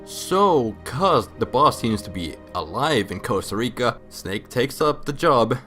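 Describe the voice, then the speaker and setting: A man's voice: medium pitch, very animated, a little slow, a bit bright, faint music behind. A man sounding drunk, telling a story casually with crude, sarcastic, profane and rambling asides. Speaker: host of a comic video game storyline recap.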